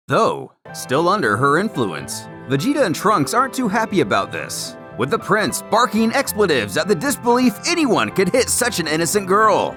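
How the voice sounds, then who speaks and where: Animated, higher-pitched male story narrator. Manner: theatrical, wordy storytelling. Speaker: narrator of a comic recap series. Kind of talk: scripted narration, story recap.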